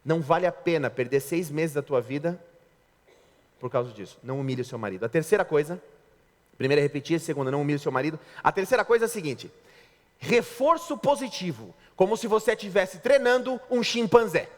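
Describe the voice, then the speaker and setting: Lively joking Brazilian pastor in a hall. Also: male voice, on the high side, a little fast. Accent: Brazilian Portuguese. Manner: lively, joking preacher acting out spouses' lines. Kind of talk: sermon. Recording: reverberant hall.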